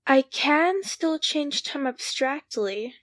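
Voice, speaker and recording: A woman's voice: high voice, lively intonation, takes it slowly, a bit bright, exaggerated voice. A woman acting an earnest, matter-of-fact young woman in an audio drama.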